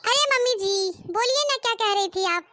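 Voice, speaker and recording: A woman's voice: extremely high pitch, expressive, moderate pace, pushed and bright, dry recording, clean studio sound, exaggerated voice. A woman voicing a cheeky young daughter-in-law in a comic cartoon, talking back in a whiny, defiant way. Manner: whiny, defiant, sing-song pleading.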